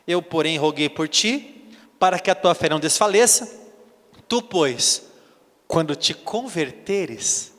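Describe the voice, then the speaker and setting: A man's voice: sits high, long reverb tail. A man preaching a sermon as a bishop, telling stories animatedly and acting out the dialogue himself. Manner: animated storytelling, acts out dialogue.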